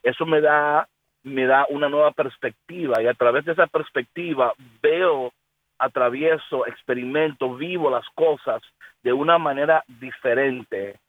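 A man's voice: medium pitch, a little slow, no echo, narrow, tinny audio. A man from the United States, a pastor, talking earnestly in a faith interview and dropping English words into his speech. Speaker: pastor and guest.

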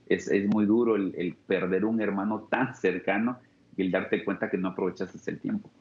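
A young man with a Guatemalan Spanish accent shares his life story in an interview, earnest and reflective, often breaking off and starting his phrases again. His voice sits fairly low. The sound is dull and lo-fi. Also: fairly even intonation, moderate pace, a little mellow, roomy sound, slight background noise. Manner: earnest and reflective, with frequent restarts. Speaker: interview guest. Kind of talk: personal testimony.

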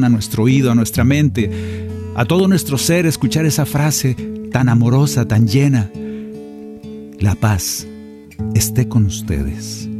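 A man, a Catholic singer-songwriter hosting and leading a prayer reflection in a conversational way, with joking asides. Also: mid-range voice. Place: home recording studio.

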